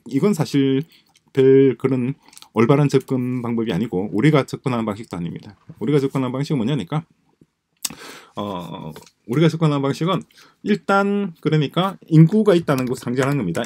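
Man lecturing at his desk, lively swinging pitch, repeats himself, keyboard clicks and faint noise behind. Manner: musing, repeats phrases, trails off to mumbles. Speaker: presenter explaining a coding project. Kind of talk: screen-share lecture while typing notes. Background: keyboard typing.

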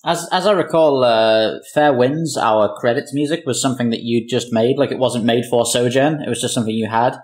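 Man with a medium-pitched voice, chatting. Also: fairly quick, few pauses, darkish tone. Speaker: show creator on a roundtable. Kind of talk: casual chat.

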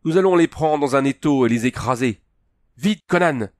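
Man voicing a high, imperious young queen in an audiobook; insistent, pushy delivery. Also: animated, a little slow, warm tone, dry recording, studio quality, natural voice. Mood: urgent. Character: proud young royal woman, commanding and urgent.

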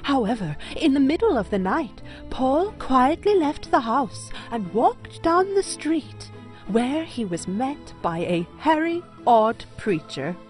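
A woman narrates a story at an unhurried, slow pace with lively intonation. Music runs softly behind her. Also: high-pitched.

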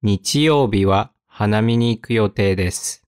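A man gives a vocabulary lesson in a slightly low voice, repeating each word and example sentence with careful enunciation. The recording is close and dry, with no room sound around him. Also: darkish tone, smooth, no room sound. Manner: slow, careful enunciation with repetition. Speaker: Japanese teacher.

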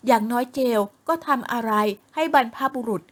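A woman voicing a proud, stubborn plump teenage girl in an audio novel, speaking high and slow. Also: natural voice.

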